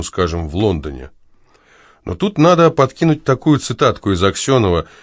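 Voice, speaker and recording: Low-voiced man reading an ironic essay. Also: no echo, clean studio sound. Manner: ironic, argumentative. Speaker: essayist reading his column.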